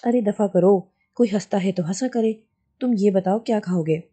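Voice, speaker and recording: A woman voicing a level-headed young wife in a horror audiobook who speaks calmly and confidently. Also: mid-range voice, normal speed, lightly acted. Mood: dismissive. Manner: calm, confident.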